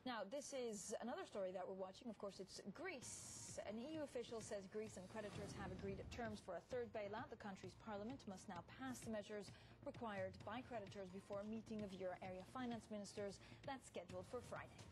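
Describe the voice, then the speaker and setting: A woman's voice: mid-range voice, brisk, background noise. A woman presenting broadcast business news as an anchor, with interview questions and read stories.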